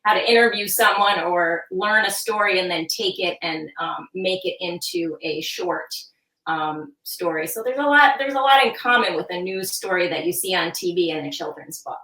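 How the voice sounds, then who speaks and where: Hoarse bright-voiced woman in echoey room. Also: fairly low pitch, animated, normal speed, recorded from a distance. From Hudson Valley, New York. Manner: upbeat, storytelling. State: hoarse, groggy. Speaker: children's book author, guest. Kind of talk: chatty interview answers.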